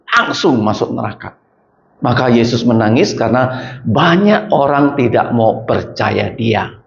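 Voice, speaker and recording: A man gives an interactive sermon at an everyday pitch, questioning his listeners and calling on them by name. His colloquial delivery swings between loud emphasis and quiet asides. The recording is dull and lo-fi, with a roomy echo. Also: creaky. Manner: colloquial, rising and falling emphasis. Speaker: preacher teaching a class. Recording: echoey room, dull lo-fi sound.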